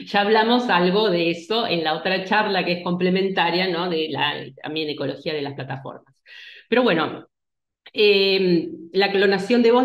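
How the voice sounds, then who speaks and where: A woman lectures in a slightly low voice, hesitating often, restarting phrases and checking that her listeners follow. The recording carries a noticeable room echo. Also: dull audio. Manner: hesitant, many restarts and fillers, asks "¿sí?". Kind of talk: online lecture.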